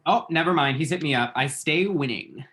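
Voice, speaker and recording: A man's voice: on the high side, a little fast, fairly bright tone, lightly acted. Man voicing a dramatic young gay guy, sarcastic, theatrical, table read.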